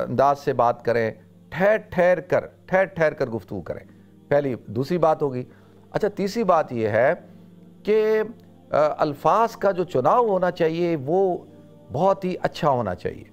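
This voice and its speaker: A middle-aged man from South Asia giving an informal religious lecture in a loud, emphatic preacher's voice, repeating phrases for emphasis. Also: mid-range voice. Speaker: religious scholar giving a talk.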